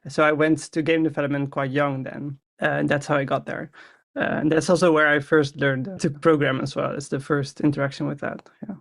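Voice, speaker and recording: A young Dutch-accented man speaking as a podcast guest, his voice a little higher than most men's. It has a gravelly, fry-laden edge, and he talks modestly with frequent hesitations. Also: level tone, brisk. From Netherlands. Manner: modest, hesitant with many uhs. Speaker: guest, artist. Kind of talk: casual podcast interview.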